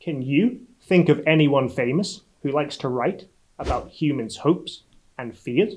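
In an animated tone, a man speaks at a fairly high pitch. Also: lively intonation, fairly slow pace. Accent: northern English. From northern England. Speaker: English teacher. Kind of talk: scripted educational presentation for children. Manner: clear and animated. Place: studio.

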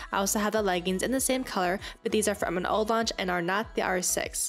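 Fairly even intonation carries over music in the background. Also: woman. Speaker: fitness content creator. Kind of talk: product review talk to camera.

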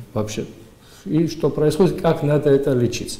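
A man with a Georgian accent speaks amid audible room echo. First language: Georgian (speaking Russian). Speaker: co-host; guest. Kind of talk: studio discussion on faith and history. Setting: studio. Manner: halting. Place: studio.

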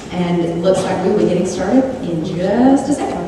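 A woman amid noticeable background noise and strong room echo. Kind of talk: announcement to audience. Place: stage. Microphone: pa.

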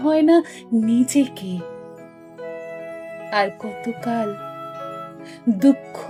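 Over music in the background, a woman talks with a fairly high pitch and very wide pitch swings. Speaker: poetry reciter. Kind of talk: poetry reading. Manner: emotional, melancholic.

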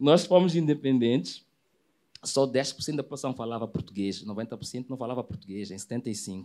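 A man's dark, mellow tone at a fairly slow pace, with big swings in loudness against a quiet background. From Mozambique. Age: 40s. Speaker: poet and publisher; poet. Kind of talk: panel discussion. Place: hall. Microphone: handheld.

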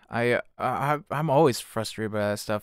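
Over a quiet background, a man speaks at medium pitch with ordinary pitch variation, in a dry sound with no echo. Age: 20s. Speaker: video game streamer. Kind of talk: casual live gameplay commentary. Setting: live stream with webcam. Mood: relaxed, sympathetic.

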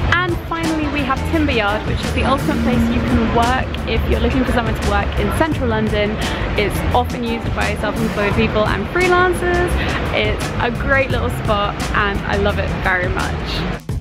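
A woman at a moderate pace over loud music in the background. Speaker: vlogger. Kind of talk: casual vlog chat. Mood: upbeat, enthusiastic. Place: street. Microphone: phone near.

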